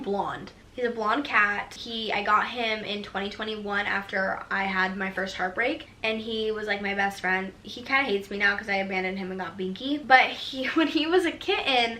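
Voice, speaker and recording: Bright-voiced chatty young woman. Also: a little high. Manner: chatty and rambling, heavy use of "like". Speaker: vlogger answering viewer questions. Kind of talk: casual Q&A chat.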